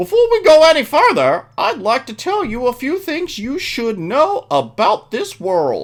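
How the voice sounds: The speaker uses a put-on character voice pitched high. The delivery keeps to a moderate pace.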